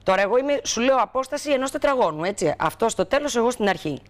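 Lively, dramatic woman storyteller. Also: a little high. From Greece. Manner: dramatic, acts out the people in her stories. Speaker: talk show guest. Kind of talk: animated anecdote telling.

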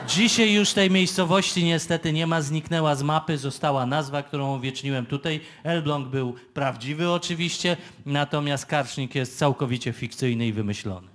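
A man speaking as a guest at a live radio event, telling an anecdote with hesitant, drawn-out pauses. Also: fairly high pitch, a bit bright. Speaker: guest author. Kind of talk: anecdote told to a live audience. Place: radio music studio with live audience.

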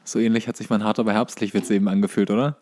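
A man's voice: fairly low pitch, little pitch movement, racing, a little mellow. Casual man chatting on a podcast. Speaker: podcast co-host.

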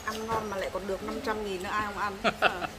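A woman's voice: mid-range voice, level tone, fast talker, crowd noise. A woman in her thirties co-hosting a food vlog, chatting casually as she eats. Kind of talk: casual chat while eating. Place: small open-air restaurant. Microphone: camera across the table. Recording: noisy eatery ambience, traffic.

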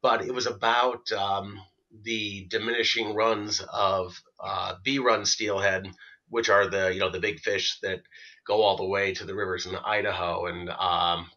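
A man talking casually as a podcast guest, soft-spoken and halting, with many fillers. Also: lowish voice, little pitch movement, lo-fi sound. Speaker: guest musician and writer.

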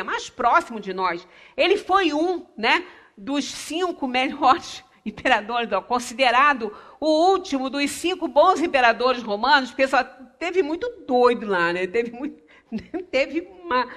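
Bright-voiced woman giving a spiritist talk. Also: on the high side. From Brazil. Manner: gestures broadly while speaking, conversational with tag questions. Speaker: spiritist lecturer. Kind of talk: lecture to a small audience. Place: small meeting room with projector screen. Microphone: far camera, standing speaker.

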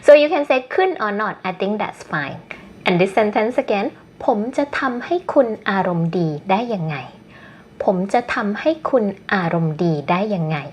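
A woman with a Thai accent teaching an online language lesson, explaining patiently and repeating phrases slowly for learners. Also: medium pitch, animated. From Thailand.

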